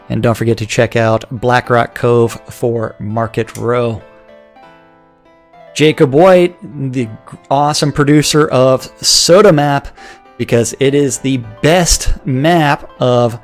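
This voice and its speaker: Casting: male co-host with a gravelly, mid-pitched voice, loose and chatty, with faint music behind. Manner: rambling, laughs often, stammering restarts. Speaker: co-host reading community calendar and sponsors. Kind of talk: casual livestream chat.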